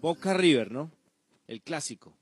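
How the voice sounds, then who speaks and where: A man's voice: on the high side, lively intonation, measured pace, slightly rough, no echo. A man hosting a sports radio show conversationally, repeating phrases and adding little question tags.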